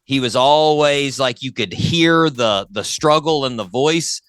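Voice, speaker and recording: A man's voice: mid-range voice, a little slow, fairly bright tone, clear, resonant tone, no echo. A man hosting a music interview in a casual, enthusiastic way, often repeating his phrases. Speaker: talk show host.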